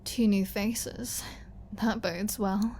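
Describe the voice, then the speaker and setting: A woman's voice: medium pitch, fairly even intonation, extremely slow, gravelly, a little mellow, a little hiss or hum. A woman voicing a flirty, sarcastic, defiant female vampire in a scripted ASMR audio roleplay. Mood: snarky, playful. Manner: sarcastic, teasing, playful.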